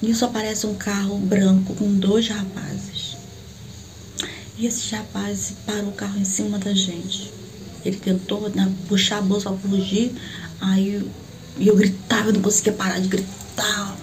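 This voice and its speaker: A woman's voice: measured pace, noisy background. A middle-aged woman with a Brazilian Portuguese accent, a church prophet giving a personal testimony and acting out the dialogue as she tells it. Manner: animated, acts out the dialogue with sharp jumps in pitch.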